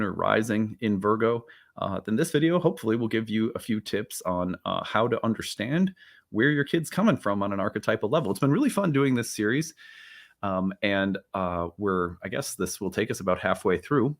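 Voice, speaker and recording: Male host, 30s, low pitch, slightly froggy from a cold, casual rambling delivery with fillers. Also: normal speed. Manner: relaxed, rambling, with many fillers and restarts. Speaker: astrology teacher and channel host. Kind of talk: casual solo talk to camera.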